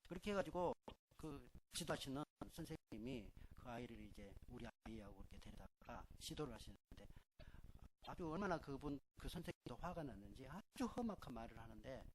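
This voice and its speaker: A middle-aged man preaching a Sunday sermon as pastor, with loud stresses that drop to soft endings. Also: medium pitch, very animated, a little fast, a little hiss or hum. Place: church sanctuary.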